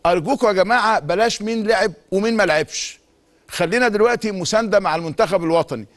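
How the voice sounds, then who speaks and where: A middle-aged man with an Egyptian Arabic accent, a sports talk show host delivering an emphatic monologue full of repeated insistent phrases. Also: sits high. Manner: rapid, emphatic, repetitive insistence. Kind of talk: monologue commentary.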